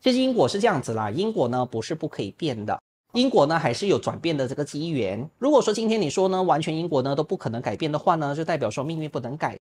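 A man, a Buddhist monk, teaching and answering questions in a lively, humorous way over an online call, filling his speech with little particles. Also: on the high side, fast talker, breathy edge. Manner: lively, humorous, acts out examples; frequent filler particles like "呢" and "啊". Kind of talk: Dharma talk answering questions. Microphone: online video call.

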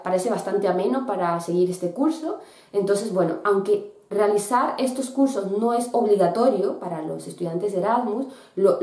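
A woman in her thirties talks to camera in a bright room by a window, pausing often with fillers and restarting her sentences. Her voice is soft and mellow, and the room gives it a noticeable echo. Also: mid-range voice. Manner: hesitant, many fillers and restarts. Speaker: student vlogger. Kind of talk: casual explanatory vlog.

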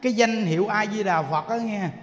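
A man preaching a sermon, emphatic and full of rhetorical questions, dropping to soft chanted recitations. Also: sits high, brisk. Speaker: Buddhist monk preacher. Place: temple hall. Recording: echoey hall reverb.

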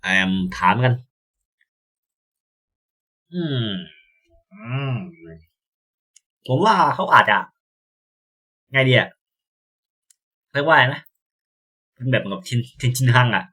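Excitable young man streaming a game. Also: medium pitch, slow, pauses often. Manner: excitable, yelps and swears at scares; reads game lines aloud, stammering. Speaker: gameplay streamer. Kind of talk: casual let's-play commentary.

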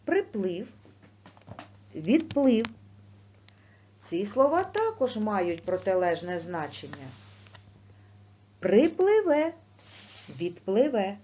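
A woman teaching a primary school lesson, speaking slowly and clearly with questions to the class. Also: mid-range voice. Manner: slow, clear teacher's delivery with lively rising questions. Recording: dull lo-fi recording.

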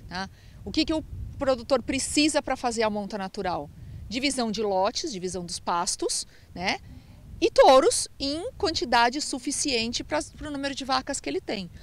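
A woman's voice: on the high side, slight background noise. Explanatory woman livestock researcher. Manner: explanatory, uses tag "tá?". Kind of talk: explanatory interview answers.

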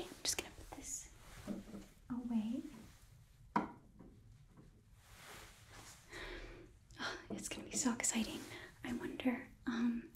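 Young woman doing a sweet cheery demon princess hotel host, asmr roleplay, breathy bright whisper, gentle n reassuring, close mic. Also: fairly high pitch. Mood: excited, tender. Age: young adult. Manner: gentle, bubbly, halting, reassuring. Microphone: close microphone, facing camera.

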